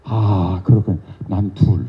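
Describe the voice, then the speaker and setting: An older man, a pastor, preaching a lively revival sermon and teasingly quizzing members of his congregation. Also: sits low, unhurried, highs cut off. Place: church sanctuary.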